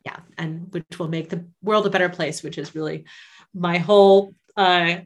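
A woman's voice: lowish voice, fairly even intonation, moderate pace. A woman guest on a podcast, a singer and life coach, talking in a casual, enthusiastic and encouraging way and laughing often.

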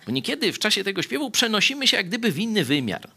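Lively gravelly-voiced man preaching. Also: high voice, fast. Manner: conversational, frequent tag "nie?"; lively, swings between soft asides and raised emphasis. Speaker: pastor. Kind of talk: sermon Bible study.

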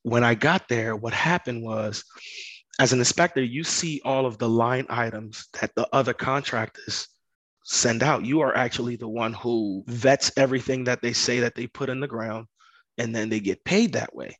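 Speaking with medium pitch at a normal speed, a West African man from Ghana shares his story on a podcast, where he appears as a guest who runs a construction business. He is earnest and conversational, repeating phrases for emphasis, and his tone is a bit bright. The recording is rough, though free of echo.

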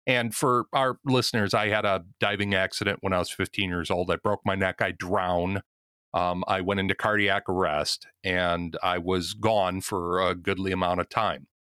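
A man hosting a podcast discussion, speaking in a measured, deliberate way and steering the questions. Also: low-pitched, steady tone, bright, forceful tone, clear, resonant tone, no echo, clean studio sound. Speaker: podcast host.

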